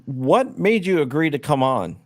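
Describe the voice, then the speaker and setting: A man hosting a casual livestream interview, relaxed, reading out viewer questions. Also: on the high side, normal speed. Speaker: host.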